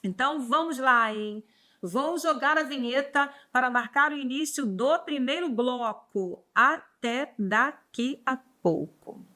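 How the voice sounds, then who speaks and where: A woman's voice: high-pitched, takes it slowly, bright, forceful tone. A Brazilian woman teaching a live online law class. She greets viewers by name and then explains steadily. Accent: Brazilian Portuguese.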